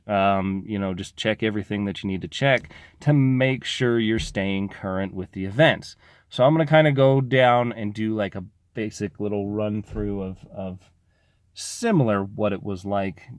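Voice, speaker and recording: A locksmith with a lowish male voice gives his viewers business advice in a casual talk to camera, rambling informally and leaning on lots of fillers. He sounds tired and is losing his voice from being sick. The recording is clean studio sound with no room sound.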